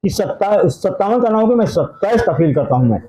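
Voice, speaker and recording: Earnest man in his fifties, dark voice. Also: high voice, big pitch swings, brisk, poor audio. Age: 50s. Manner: earnest, speaks in rhetorical lists. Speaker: guest, aspiring singer. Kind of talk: earnest interview answers, folk song.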